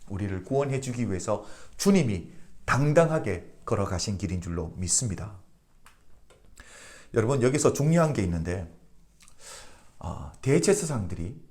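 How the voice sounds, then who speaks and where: A man's voice: fairly low pitch, a little mellow. A male pastor from Korea giving a daily devotional sermon, asking the congregation questions and answering them himself.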